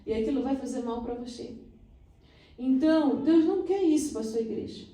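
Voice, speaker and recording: A woman pastor delivering a fervent sermon, building into loud prayer, recorded from a distance in a church. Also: sits high, expressive, moderate pace. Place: church hall. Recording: echoey church from far off.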